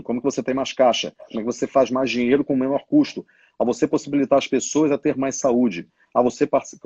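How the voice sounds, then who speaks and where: A man's voice: mid-range voice, mellow, slightly rough, no room sound, dull audio. A man talking business trends in a casual, emphatic way, often voicing what others might think. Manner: colloquial, emphatic, acts out others' thoughts. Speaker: business educator.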